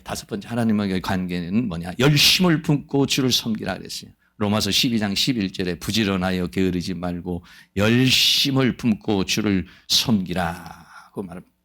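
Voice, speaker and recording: A man preaching a sermon as pastor of a church, lively and playful, acting out quoted voices. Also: medium pitch. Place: church sanctuary.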